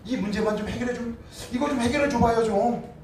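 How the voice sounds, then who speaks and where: A man's voice: very high voice, fast talker, darkish tone, heavy reverb, far from the mic, slight background noise, voice pushed up. A pastor voicing a desperate, impatient man who whines and pushes God to fix his problem. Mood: pleading. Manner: whiny, pushy, impatient.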